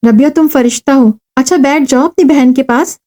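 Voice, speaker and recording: Anxious doting mother, read by a woman, pleading and fretful, raised pitch. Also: dark tone, lightly acted.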